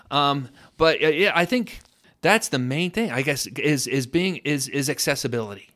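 A man with an American accent speaks in a fairly high pitch with lively intonation. His tone is bright and sharp. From US Northeast. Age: 50s. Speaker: music industry sales rep. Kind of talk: casual interview conversation. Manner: fast talker.

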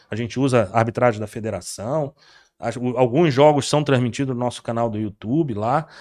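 Against a quiet background, a man with a plain, everyday voice speaks at a moderate pace with medium pitch and ordinary pitch variation. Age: 50s. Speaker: social club president. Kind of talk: podcast interview.

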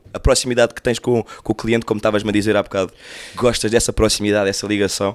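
A man talks at a very fast pace in a fairly low pitch, with monotone, flat intonation. The sound is dry and close, with no echo. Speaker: podcast host. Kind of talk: casual chat.

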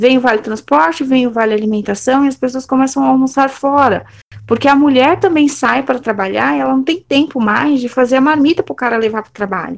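A woman talks very fast with a high pitch. Her pitch varies in an ordinary way. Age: 30s. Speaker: podcast host. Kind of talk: casual chat.

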